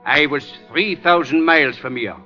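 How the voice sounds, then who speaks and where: An actor playing a suave, smug master thief in an old radio drama, polished, precise and condescending. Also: male voice, fairly high pitch, normal speed, loud music behind the voice, natural voice. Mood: smug, unruffled. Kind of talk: 1940s radio drama acting. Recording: dull vintage radio recording.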